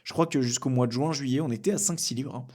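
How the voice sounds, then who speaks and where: A man's voice: mid-range voice, fast, darkish tone. A young man from France hosting a casual solo podcast from a small room at home, rambling with many fillers and restarts and the odd curse word. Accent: French. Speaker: podcast host.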